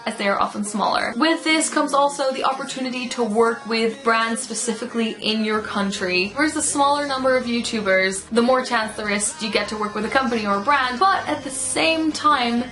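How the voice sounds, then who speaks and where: A woman's voice: fairly high pitch, brisk, few pauses, soft background music, rough recording. A young woman talks casually and thoughtfully to camera in her own home video. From Netherlands. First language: Dutch. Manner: chatty, reflective, lively. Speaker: YouTuber.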